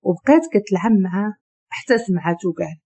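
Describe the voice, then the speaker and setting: A woman tells a romance story with a Moroccan Arabic accent. Her voice is mellow and slightly husky, and her delivery stays steady and even from line to line. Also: medium pitch, quick pace.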